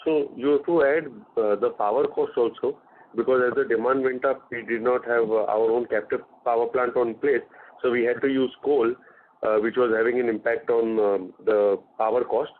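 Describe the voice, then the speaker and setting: A man with an Indian accent answering investor questions as a company executive on an earnings call, in measured, slightly hesitant phrasing. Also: medium pitch, fairly even intonation. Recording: narrowband phone conference line.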